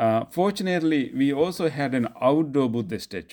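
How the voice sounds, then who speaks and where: Here a man speaks with a Sri Lankan accent. His pitch shows ordinary variation. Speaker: Buddhist monk and abbot. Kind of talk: interview conversation. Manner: halting, hesitant.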